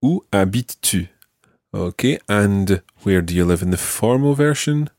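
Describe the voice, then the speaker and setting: A man hosting a podcast language lesson, modelling phrases slowly and clearly for a learner. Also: lowish voice, lively intonation, a little mellow, no room sound, studio quality. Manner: slow, clear teaching delivery with drawn-out model phrases. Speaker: language teacher and podcast host.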